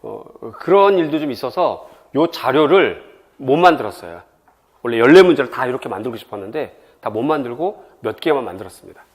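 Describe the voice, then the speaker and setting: Personal stories fill this lively, chatty admissions info session from a middle-aged man from Seoul. Speaking a touch quickly, he has a medium-pitched voice as he covers exam prep.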